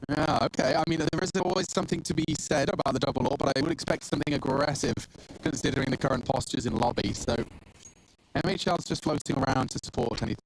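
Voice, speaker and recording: A man's voice: a little high, fast, creaky, a little hiss or hum, poor audio. A man giving chatty, joking color commentary and analysis on an esports match.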